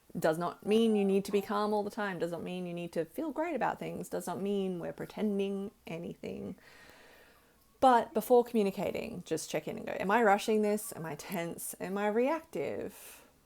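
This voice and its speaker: A woman with an Australian accent, medium pitch, ordinary pitch variation and moderate pace, big swings in loudness, on a very clean recording with a silent background. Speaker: podcast host, leadership coach. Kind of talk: podcast monologue.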